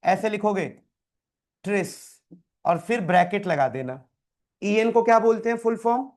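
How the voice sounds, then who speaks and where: A man's voice: high voice, expressive, moderate pace. Male teacher quizzing students. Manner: quizzes students by name, repeats key terms. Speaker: chemistry teacher. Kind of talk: live classroom tutoring.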